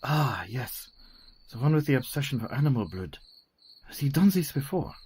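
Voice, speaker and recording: A man's voice: medium pitch, big pitch swings, normal speed, darkish tone, husky. A man playing a grave, commanding older doctor in a radio play. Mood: urgent. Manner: grave, urgent, formal.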